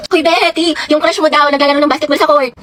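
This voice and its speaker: A woman with a Filipino accent playing several chatty schoolgirls in comedy skits, switching lively between characters. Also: high-pitched, fast, background noise. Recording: music playing behind the voice.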